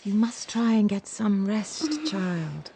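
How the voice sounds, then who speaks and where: A woman's voice: mid-range voice, slow, creaky, mellow, a little hiss or hum. A woman playing a scheming stepmother who coaxes in a honeyed, insistent way. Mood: coaxing. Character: scheming, falsely sweet stepmother. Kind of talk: radio drama acting.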